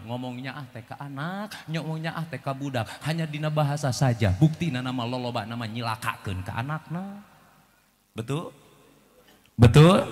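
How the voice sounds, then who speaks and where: A man with a Sundanese accent preaching a comic sermon, swinging between chanted verses, shouted warnings and low joking asides. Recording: hall reverb, faint background noise.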